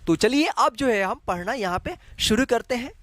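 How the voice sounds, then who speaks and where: A man's voice: extremely high pitch, animated, normal speed, fairly bright tone, no echo. A man teaching an online Hindi lesson, patient and repetitive, often leaning on the same small filler phrase. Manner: patient, repeats each letter several times; habitual filler "jo hai". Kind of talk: slow online language lesson.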